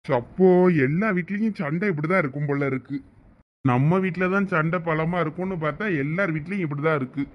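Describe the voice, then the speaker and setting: Brief: performer doing a playful young village man, Thoothukudi Tamil accent, mid-pitched, friendly teasing. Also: fairly quick, lo-fi sound, slight background noise, lightly acted.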